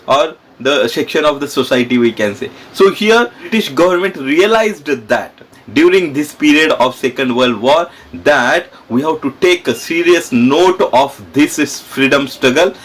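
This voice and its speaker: A man's voice: on the high side, fairly bright tone. A man with an Indian accent teaching a history lesson, explaining step by step, repeating phrases and often checking in with his students. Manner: repetitive, asks questions and checks in with students.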